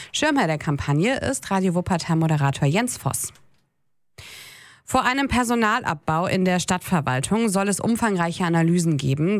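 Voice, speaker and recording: Calm woman reading radio news. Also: fairly low pitch, dry recording. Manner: calm, measured, even delivery. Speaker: newsreader. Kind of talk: read radio news bulletin. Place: radio studio. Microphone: studio microphone.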